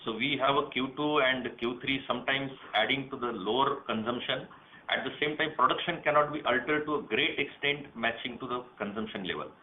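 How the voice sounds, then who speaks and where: A man with an Indian accent answering questions formally on an earnings call, in the measured way of a senior company manager. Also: medium pitch. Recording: tinny phone line, some noise.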